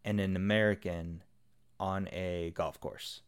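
A man's voice: low-pitched, fairly even intonation, a little slow, clear, resonant tone. A man, a guest on a film podcast, telling a joke in a rambling way and laughing as he goes. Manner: rambling storyteller, laughs at own jokes. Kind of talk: casual film podcast chat.

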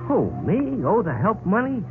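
A tough-talking, shifty carnival boss in a 1940s radio crime play. He is slangy and evasive. The recording is tinny, with clear noise. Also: sits high, big pitch swings, moderate pace. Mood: indignant. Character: shifty, slangy, hot-tempered male carnival show boss.

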